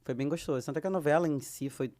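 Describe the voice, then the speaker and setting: A Brazilian woman with a Brazilian Portuguese accent, a guest actress telling lively anecdotes and acting out the dialogue she quotes. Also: low-pitched, rapid-fire. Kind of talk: casual storytelling.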